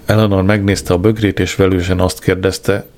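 A man reading a comic diary aloud in a dry, deadpan manner. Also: deep voice. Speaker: audiobook narrator. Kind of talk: scripted narration of a comic diary.

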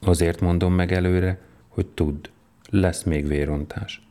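Fierce, bitter ragged disciple, read by a man; low, dark, defiant. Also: steady tone, close to an everyday voice.

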